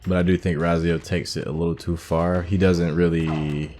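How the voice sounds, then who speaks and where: A man's voice: low voice, level tone, moderate pace, dark tone, slight background noise. A man hosting a casual game playthrough, thinking aloud about the story while he plays. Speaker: gaming channel host. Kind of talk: casual let's-play commentary.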